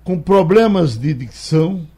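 A man with a Brazilian accent hosting a radio show, talking casually and haltingly as he tells anecdotes and reads a note. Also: a little high, lively intonation, mellow, breathy edge. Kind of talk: casual talk, reading a note aloud.

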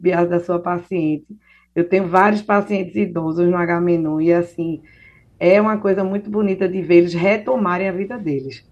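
A woman doctor explaining a medical treatment on a radio call-in show, steady and patient, often tagging "right?" onto her points. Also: lowish voice, muffled recording. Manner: explanatory, many fillers like "né". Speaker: ENT doctor guest. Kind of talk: radio interview answers.

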